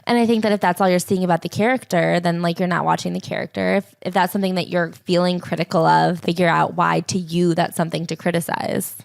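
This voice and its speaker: A young woman co-hosting a podcast, sharing relaxed, opinionated takes on a memoir. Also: fairly low pitch, fast, creaky, hardly any pauses, dry recording, studio quality. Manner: relaxed and opinionated, with frequent "like" asides. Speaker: podcast co-host. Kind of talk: casual book-club chat.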